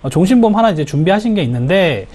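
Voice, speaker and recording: A man's voice: high-pitched, big pitch swings, fast, darkish tone. A man giving insurance advice to a caller, explaining things in a friendly way with many fillers. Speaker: insurance expert. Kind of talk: phone consultation advice.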